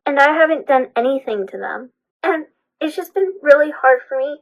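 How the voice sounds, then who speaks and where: A woman voicing a dramatic, self-pitying teenage schoolgirl with a plaintive, theatrical manner in an animated roleplay. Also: high voice, normal speed, lo-fi sound. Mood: pleading, wounded. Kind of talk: hobby animated roleplay voice acting.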